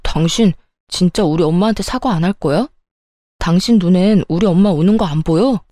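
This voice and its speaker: A woman's voice: on the low side, moderate pace, dry recording, natural voice. A woman voicing an angry, stubborn husband who demands an apology. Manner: demanding, shouting orders. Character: stubborn angry adult husband, mama's boy.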